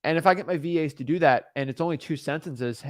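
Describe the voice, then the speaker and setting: Speaking quickly in a slightly high voice, a young man coaches viewers on real estate wholesaling in a casual talking-head format. The studio audio is clean with no room sound, while his advice is repetitive and meandering, full of fillers and false starts.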